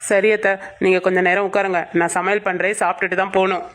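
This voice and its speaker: A woman voicing an outspoken but respectful young woman who talks in a rapid, insistent way. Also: medium pitch, level tone, close to an everyday voice. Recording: soft music underneath.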